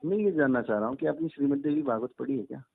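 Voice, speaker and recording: A man's voice: medium pitch, rapid-fire, vocal fry. A man who is a Hindu religious teacher, arguing over a phone call in an insistent, lecturing way and repeating himself. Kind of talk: argumentative phone conversation. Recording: tinny phone-line call recording.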